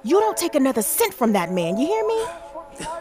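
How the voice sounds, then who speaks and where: A woman's voice: high-pitched, big pitch swings, moderate pace, crowd noise. A woman playing a stern, no-nonsense mother who scolds and interrogates in a period audio drama. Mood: stern, suspicious. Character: stern, suspicious, no-nonsense working-class mother.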